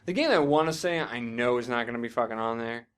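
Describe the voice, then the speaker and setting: A man's voice: medium pitch, lively intonation, fast, a bit bright, clear, resonant tone. A man co-hosting a podcast, chatting about video games in a blunt, informal, sweary way. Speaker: podcast co-host.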